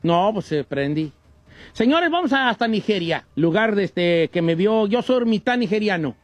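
A man's voice: high-pitched, big pitch swings, normal speed, no room sound. A man voicing a folksy old Mexican ranchero with a Mexican accent, rambling and joking through comic radio news, stumbling over words. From Michoacán, Mexico. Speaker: co-host presenting comic news.

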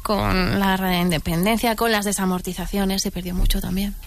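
Deliberate explaining woman guest. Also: medium pitch, flat delivery, slight background noise. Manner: deliberate, explanatory, with drawn-out fillers. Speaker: author and guest. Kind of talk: interview answers.

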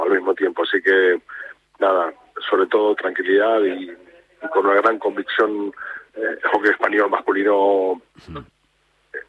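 A man with an Argentine accent, a national hockey coach, speaking calmly and reflectively in a radio phone interview, with many restarts. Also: lowish voice. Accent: Argentine Spanish. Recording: tinny phone line with faint noise.

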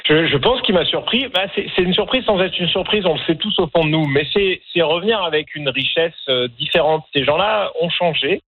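A man's voice: on the high side, lively intonation, fairly quick, hardly any pauses, slight background noise. A man from France with a French accent, a documentary filmmaker as a guest, speaking thoughtfully with many hesitations. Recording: tinny phone-line sound.

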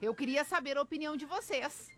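A woman, co-hosting a radio talk show, reading out a listener's letter and bantering with the others. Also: high-pitched. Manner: reads listener letters slowly, then banters. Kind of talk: casual radio chat.

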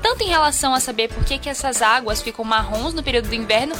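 A woman's voice: a little high, lively intonation, fast talker, over music. A woman with a Bahian accent, reading listener questions and official replies as a radio reporter. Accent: Bahian Brazilian Portuguese. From Bahia, Brazil.

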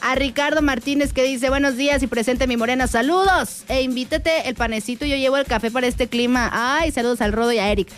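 A woman's voice: sits high, fairly quick, few pauses. A woman with a northern Mexican Spanish accent hosting a chatty, effusive live radio show, reading listener messages and using affectionate diminutives. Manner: effusive, uses pet names and diminutives. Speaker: radio host. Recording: radio broadcast with music underneath.

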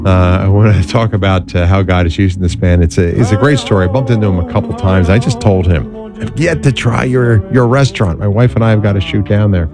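A man's voice: on the low side, brisk, music in the background. A man hosting a Christian talk show in a studio, speaking earnestly and conversationally, sometimes in a preacher-like way. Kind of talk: talk show monologue and interview.

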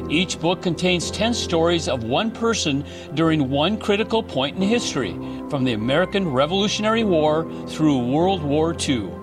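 A man's voice: fairly high pitch, lively intonation, moderate pace, over music. A man reading a scripted radio advertisement in an upbeat, promotional way. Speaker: ad announcer.

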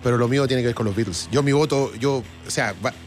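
A Chilean man hosting a casual radio music show, talking with enthusiasm and halting restarts. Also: mid-range voice. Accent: Chilean Spanish. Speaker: radio host. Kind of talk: casual radio chat reading listener comments.

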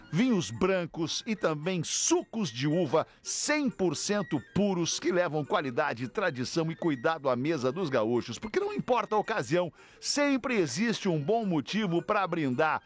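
A man reads a wine commercial on the radio in a slow, promotional delivery. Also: on the high side. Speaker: commercial announcer. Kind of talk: read radio ad.

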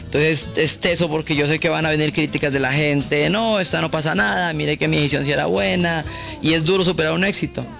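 A man's voice: a little high, fairly even intonation, fairly quick, vocal fry, a bit bright, faint music behind. A man from Colombia, a singer guest, chatting casually and openly, often restarting his sentences. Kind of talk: casual chat.

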